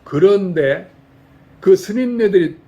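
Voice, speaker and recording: An older Jeolla-born Buddhist monk from South Korea speaks slowly and expressively, his high-pitched voice dark in tone, on dull audio. In a temple hall he gives a folksy dharma talk, quizzing laypeople with rhetorical questions.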